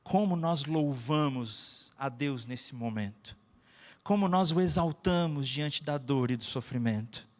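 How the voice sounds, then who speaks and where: Speaking unhurriedly at a medium pitch, a Brazilian pastor gives a sermon laced with personal anecdotes, stressing ideas by repeating phrases. The audio was captured in an echoey hall with a long reverb tail.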